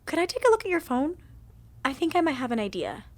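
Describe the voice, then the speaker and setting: A gentle young woman, played by an actress with a fairly high voice. She sounds soothing and slightly hesitant, in audio drama style. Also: sing-song, fast. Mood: reassuring.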